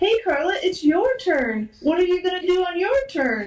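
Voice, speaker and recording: This put-on character voice has an extremely high pitch and very wide pitch swings, delivered at a moderate pace. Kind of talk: sing-song, cheerful. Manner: sweet, encouraging.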